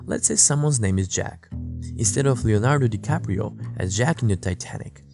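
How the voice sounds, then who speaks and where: A man narrating a scripted self-improvement lesson in a calm, instructive way, English not his first language. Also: on the low side, moderate pace, creaky. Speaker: self-improvement channel host. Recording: voice-over with guitar music behind.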